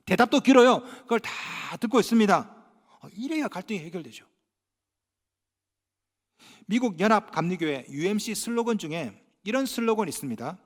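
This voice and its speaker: A man's voice: sits high, a little fast, long pauses. A male pastor from Gyeongsang Province preaching a sermon, telling humorous stories and acting out bits of dialogue. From Gyeongsang Province, Korea. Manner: animated, humorous storytelling with acted-out dialogue. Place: church sanctuary. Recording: long church reverb.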